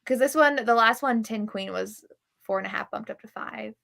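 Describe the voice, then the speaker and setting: A woman's voice: on the high side, normal speed, gravelly, a bit bright. A woman hosting a live book chat, giving candid, opinionated reviews in a casual way. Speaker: book reviewer and livestream host. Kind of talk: casual chat about books on a live show.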